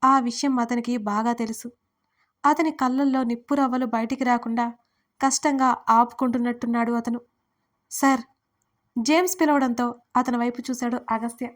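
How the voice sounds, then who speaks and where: A woman's voice: on the high side, fairly even intonation, moderate pace. A woman narrating a dramatic audio story, reading the characters' lines in her own voice. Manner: reads all characters' lines with little change of voice.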